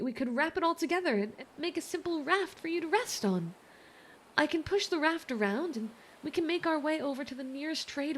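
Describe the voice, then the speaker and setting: A woman voicing a kind, worried mermaid in an ASMR roleplay, speaking in a gentle, earnest, slightly hesitant way. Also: fairly high pitch, slight background noise, natural voice. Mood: eager, practical. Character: kind, worried female mermaid rescuing a shipwrecked sailor.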